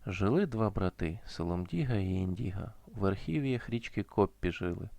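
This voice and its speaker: A man narrating a folk fairy tale as a storyteller, in a measured, rhythmic way. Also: deep voice, lively intonation, vocal fry, darkish tone, dry recording.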